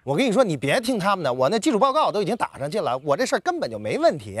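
A man's voice: sits high, wildly swooping pitch, racing, husky, full character voice. An actor playing an eager, pushy young man on a phone call, talking over objections.

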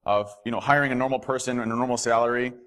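A man giving a conference keynote from a podium in a hotel ballroom, animated and quick, with lots of fillers and restarts. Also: medium pitch. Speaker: keynote speaker.

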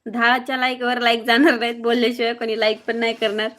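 A woman from Maharashtra hosting a live stream, briskly greeting viewers by name and reading their comments aloud in a blunt, outspoken way. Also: a little high, completely flat delivery, fairly bright tone. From Maharashtra, near Mohol. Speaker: livestreamer.

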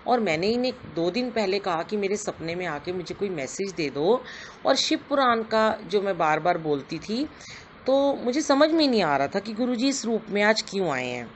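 A middle-aged woman gives a devotional satsang talk, telling her story in an earnest, conversational way and addressing her listeners directly. Her medium-pitched voice is sing-song and moderately paced, with a little hiss or hum in the audio.

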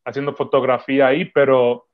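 A man, chatting as a podcast guest in a relaxed way, laughing often and repeating words as he thinks, on a video call from home. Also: mid-range voice, a little fast. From Dominican Republic heritage, raised in New York. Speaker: podcast guest, film photographer. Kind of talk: casual interview chat. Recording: slightly dull video-call audio.

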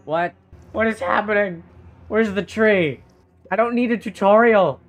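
A man doing casual Minecraft gaming commentary, excitable, swearing often and stammering through restarts. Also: sits high, unhurried, soft background music. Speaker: Minecraft YouTuber.

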